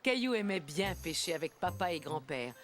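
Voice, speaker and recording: A woman playing a gentle narrator, reading scripted narration for a French children's cartoon. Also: fairly low pitch, very animated, normal speed. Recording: music under the voice.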